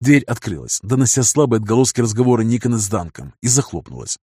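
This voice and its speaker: A man narrating a first-person audiobook in a steady, even storytelling manner. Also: medium pitch, fast talker, husky, dry recording, clean studio sound.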